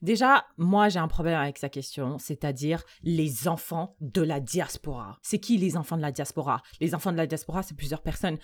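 A woman's voice: low voice, moderate pace, few pauses. A young woman from Mauritania, debating in a casual chat, emphatic and slipping English phrases into her talk. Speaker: discussion guest.

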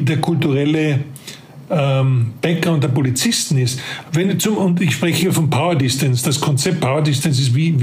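A Carinthian-accented Austrian man in his fifties, once a police officer, is the guest in a casual interview. Reflective, he tends to repeat words while hunting for them. The voice is fairly high-pitched and a little mellow.

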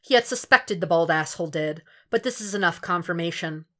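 A woman's voice: fairly low pitch, a little fast, a bit bright. A woman reading scripted fiction aloud as an audiobook narrator, in a dramatic storytelling style.

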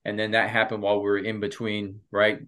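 Earnest pastor telling his story, low voice. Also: monotone, a little fast, sharp tone. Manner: earnest, personal storytelling with frequent restarts. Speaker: pastor and marriage coach. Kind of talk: casual interview.

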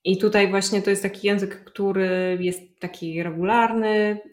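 A woman's voice: medium pitch, steady tone, moderate pace, roomy sound. A woman guest in a casual interview who explains language learning at length, thinking aloud with fillers and restarts. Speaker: polyglot guest.

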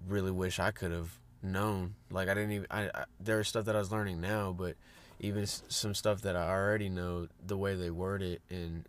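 A man's voice: deep voice, flat delivery, normal speed. A man hosting a fitness podcast in a casual, rambling monologue, sounding a bit congested. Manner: upbeat, rambling with fillers and restarts.

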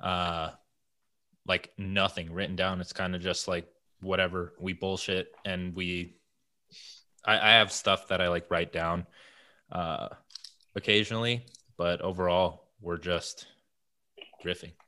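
A man's voice: low voice, fairly even intonation, measured pace, pauses often, sharp tone. A man hosting a podcast, chatting loosely and swearing freely over a remote call. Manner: casual, swears freely, rambling. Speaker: podcast host. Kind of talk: casual chat. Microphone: headset-style headphone mic over video call.

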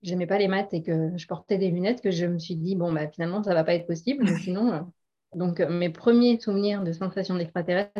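A middle-aged woman speaking as a guest in a casual interview, earnest and hesitant, with frequent laughs. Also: lowish voice. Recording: dull lo-fi audio.

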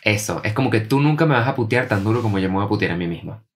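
Venezuelan man, podcast co-host, rapid, animated storyteller. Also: lowish voice. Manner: animated storyteller, acts out quoted dialogue. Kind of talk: casual chat.

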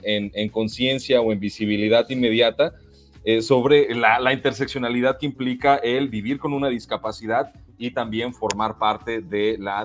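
A man from Mexico whose first language is Mexican Sign Language, giving earnest, measured interview answers with frequent hesitations. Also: medium pitch. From Jalisco, Mexico.

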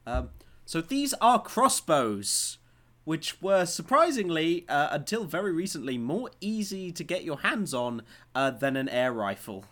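A man's voice: on the high side, sing-song, unhurried, fairly bright tone. A man co-hosting a casual news chat, joking in a dry way with plenty of ums and uhs. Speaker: podcast co-host.

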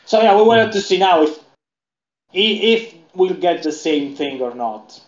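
A man with a slightly raised voice, chatting loosely and often restarting his sentences. His voice carries a clear echo from the room, and the audio sounds dull and lo-fi. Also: high voice, lively intonation, normal speed. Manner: rambling, with frequent restarts. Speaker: podcast co-host. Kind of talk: casual gaming chat.

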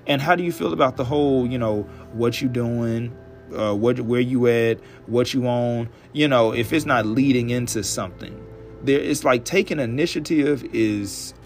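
A hoarse man hosting his own podcast, talking straight to his listeners in a loose, chatty monologue. His speech is blunt and laced with swearing, and he stretches words out for emphasis. Faint music plays under his voice. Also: mid-range voice, moderate pace. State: hoarse, dry throat. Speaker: podcast host. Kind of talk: casual solo podcast monologue.

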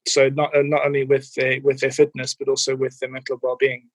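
A man's voice: medium pitch, monotone, brisk, no room sound, low-quality recording. A man in his forties with a mild, anglicized South African accent, a fitness and mental health coach answering interview questions with lots of ums and restarts. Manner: hesitant, many fillers and restarts.

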